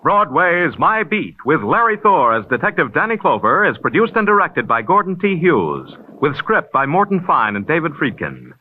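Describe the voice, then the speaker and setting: A man's voice: on the high side, big pitch swings, phone-quality sound. Formal old-time radio announcer, a man. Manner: measured and formal. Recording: thin old radio broadcast with music.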